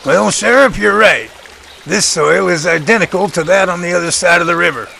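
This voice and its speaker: A man acting as a confident, methodical professor in an audio drama, explaining things precisely and deliberately. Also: high-pitched, creaky, bright, forceful tone, slight background noise, full character voice. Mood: focused. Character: confident, methodical male professor tracking a sasquatch.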